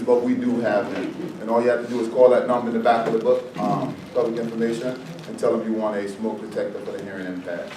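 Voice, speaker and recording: A man from the U.S. Virgin Islands, a fire department presenter, giving a chatty, joking safety talk to a seated group in a meeting room. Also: medium pitch. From U.S. Virgin Islands (St. Croix). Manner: joking, chatty, loose and conversational. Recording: echoey room, mic far off, noisy background.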